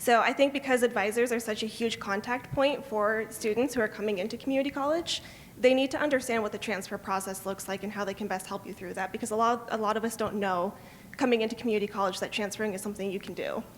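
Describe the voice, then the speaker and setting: Speaking in a Californian accent, a woman talks at a very fast pace with fairly high pitch and ordinary pitch variation. Noticeable background noise can be heard. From California, Davis area. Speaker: transfer student ambassador. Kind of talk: panel discussion.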